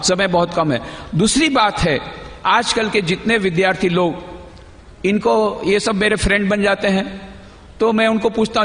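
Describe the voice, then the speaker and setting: A man's voice: sits high, fairly bright tone. A man, a monk, giving a teacherly talk to a youth gathering, asking the audience questions and repeating key phrases. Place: large hall at a convention. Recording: echoey hall with long reverb.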